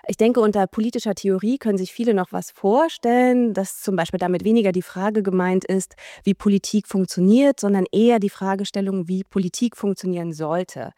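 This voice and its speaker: A woman's voice: mid-range voice, fairly even intonation, fairly quick, few pauses, dark tone, no echo, studio quality. Woman interviewer asking formal questions.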